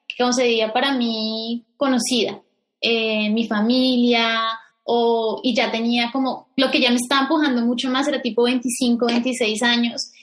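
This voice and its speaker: A woman from Bogotá in her thirties with a Colombian accent, telling her story as a podcast guest, often pausing and restarting. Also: fairly high pitch. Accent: Bogotá Colombian Spanish. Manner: hesitant, restarts often, animated when quoting herself. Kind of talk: casual interview storytelling.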